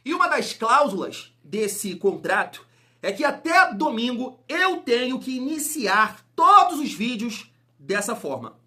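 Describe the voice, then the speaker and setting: A man's voice: very high-pitched, sing-song, measured pace, pushed and bright. A man hosting a football fan vlog, talking emphatically and firing off rhetorical questions. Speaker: football fan channel host. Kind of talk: casual vlog commentary.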